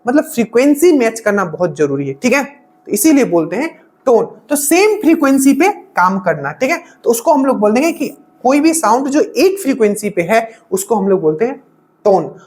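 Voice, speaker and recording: A woman teaches exam-prep science. She talks in a loose, conversational way. She circles back over each point and drops a quick "okay?" after nearly every phrase. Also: a little high, very animated, darkish tone. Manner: explains with constant "okay?" check-ins and repetition. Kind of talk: casual spoken lecture.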